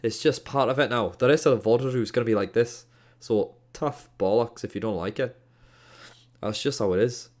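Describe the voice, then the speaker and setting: A man's voice: mid-range voice, moderate pace. Jokey Welsh-accented male game caster. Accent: Welsh, with a hint of Scottish. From Wales. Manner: exasperated, jokey, slangy. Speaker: esports caster. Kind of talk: casual game review commentary.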